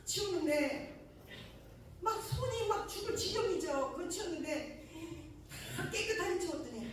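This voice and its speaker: A woman's voice: very high-pitched, expressive, measured pace, background noise. A middle-aged woman preacher giving an emotional sermon testimony, telling her story and acting out the dialogues in it. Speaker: preacher and mission leader. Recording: echoey hall from far off.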